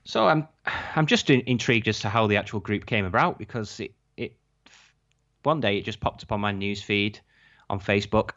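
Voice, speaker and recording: A man's voice: on the low side, animated, normal speed, a bit bright. A man chatting casually as the co-host of a podcast. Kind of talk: casual chat. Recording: dull, lo-fi sound.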